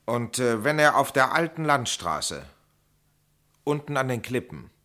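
Amateur sleuth and playwright, bright forceful voice, lively pitch, keen and insistent, radio crime drama. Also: male voice, measured pace. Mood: musing, pointed. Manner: insistent, pointed. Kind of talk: German crime radio play acting.

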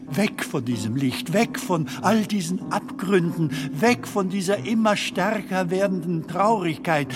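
An actor playing a gentle, wistful film comedian in a radio drama, speaking in halting, hushed, wondering phrases. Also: male voice, high voice. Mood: wistful, resigned. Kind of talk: radio drama acting in German.

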